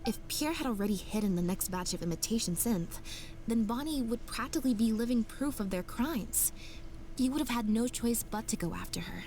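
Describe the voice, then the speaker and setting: A woman voicing a sharp young detective who calmly explains her deductions. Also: a little high, slight background noise, low-quality recording. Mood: explaining. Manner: measured, explanatory. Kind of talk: game voice acting.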